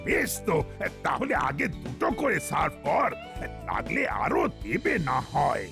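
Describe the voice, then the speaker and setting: Blustering, gravelly cartoon police boss. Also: male voice, fairly high pitch, wildly swooping pitch, measured pace, exaggerated voice. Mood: flustered. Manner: blustering, stammering. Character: blustering, flustered male police officer boss. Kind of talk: exaggerated cartoon comedy acting. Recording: cartoon music behind the voice.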